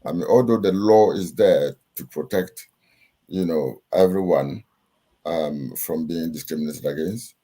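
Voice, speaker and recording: Deep-voiced Ghanaian man, measured and instructive. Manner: steady, instructive, with frequent "um" and "uh". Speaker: guest, chartered accountant and lecturer. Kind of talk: measured interview answers.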